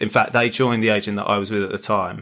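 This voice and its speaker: Bright, sharp-toned man with a British accent. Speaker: film and TV director. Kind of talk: casual chat. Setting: video call.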